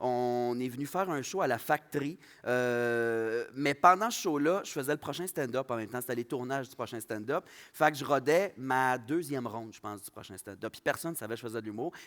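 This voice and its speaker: At a fairly quick pace, a man of medium pitch speaks with ordinary pitch variation and big swings in loudness. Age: 20s. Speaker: drag queen and comedian. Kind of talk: casual talk-show interview. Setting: stage with live audience.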